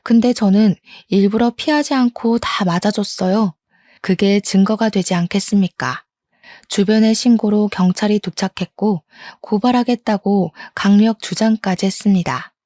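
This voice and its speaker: A woman narrating a first-person story in a calm, even way. Her voice is soft and mellow, recorded close and dry with no room. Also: medium pitch, normal speed, dry recording.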